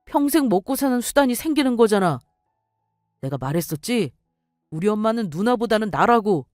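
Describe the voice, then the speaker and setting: A woman's voice: medium pitch, very animated, normal speed, darkish tone, no room sound, clean studio sound, faint music behind, close to an everyday voice. A woman voicing a young man who pushes his girlfriend to give in to his mother. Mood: pushy. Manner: pleading, pushy.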